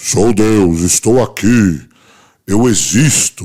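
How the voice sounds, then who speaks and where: A booming, put-on character voice. The pace is very slow. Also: man. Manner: grandiose, mock-divine.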